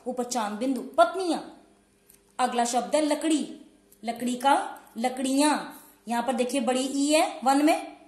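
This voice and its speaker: A woman teaching a slow, patient Hindi grammar lesson to young children from home, spelling out letters and answering her own questions. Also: high voice. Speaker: primary school teacher. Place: room at home. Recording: echoey room with faint noise.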